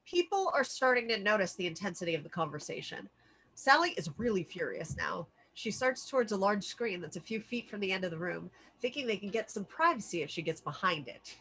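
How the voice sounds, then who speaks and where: A woman with a medium-pitched, husky, somewhat bright voice reads screenplay directions at a table read, very animated and a little fast. She narrates the scene headings and action lines as the stage-direction reader, though the audio quality is poor.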